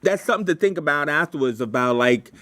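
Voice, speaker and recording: A man leading a writers' meeting in casual, halting talk, repeating himself as he thinks aloud and brainstorms. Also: on the high side, animated, pushed and bright.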